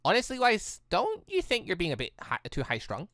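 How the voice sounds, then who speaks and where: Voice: mid-range voice, huge pitch swings, a little fast, a bit bright, dry recording, studio quality. A let's player voicing an easygoing, devoted teenage sweetheart in a visual novel game. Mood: gently teasing.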